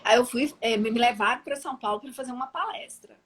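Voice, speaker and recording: A woman with a Minas Gerais accent tells stories as a guest on a live stream. Her voice is somewhat high and husky. She talks in an animated way and laughs often. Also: fast, poor audio. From Brazil. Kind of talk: storytelling in a live chat.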